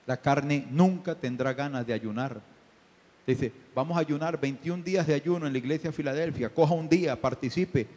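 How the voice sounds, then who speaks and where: A male pastor preaching a sermon, asking the congregation rhetorical questions, swinging from hushed asides to shouted peaks. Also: on the high side, normal speed. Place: church sanctuary. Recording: reverberant church hall.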